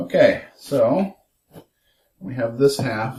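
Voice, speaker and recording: A man mumbles with ordinary pitch variation. His voice is somewhat breathy. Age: middle-aged. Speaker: hobbyist metal caster. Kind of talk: tutorial. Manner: mumbling; casual, hesitant with fillers. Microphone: poor audio.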